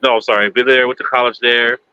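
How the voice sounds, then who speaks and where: A man in his forties from Kentucky, a guest answering interview questions in a halting, plainspoken way with many pauses. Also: mid-range voice, flat delivery, pushed and bright, clear, resonant tone. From United States, Kentucky. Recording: dull lo-fi sound, faint background noise.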